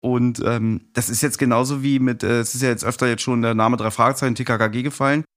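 A man with an average-pitched voice speaks in a casual, conversational podcast style. He sounds reflective and a little nostalgic, like a guest sharing his thoughts. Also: steady tone, fast talker. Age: adult.

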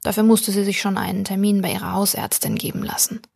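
A woman reading a short story aloud as an audiobook narrator, calm and even, close to the mic. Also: medium pitch, fast, vocal fry, slightly rough, no room sound. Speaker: audiobook reader. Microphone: close studio mic.

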